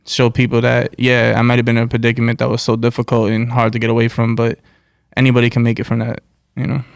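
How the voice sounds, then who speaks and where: A man's voice: mid-range voice, completely flat delivery, quick pace, vocal fry, dry recording, clean studio sound. An American man talking casually in slang as a musician guest in an interview. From United States.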